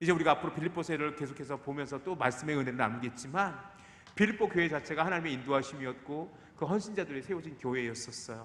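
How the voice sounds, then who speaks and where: A man's fairly high voice at a very fast pace with ordinary pitch variation. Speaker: pastor. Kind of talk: sermon. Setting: church.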